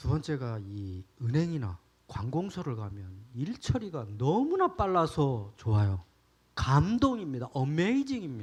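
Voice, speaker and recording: Against a quiet background, a somewhat breathy man speaks at a fairly slow pace and fairly high pitch, with very wide pitch swings. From South Korea. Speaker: missionary preacher. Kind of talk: sermon. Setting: church. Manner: conversational, humorous asides to congregation.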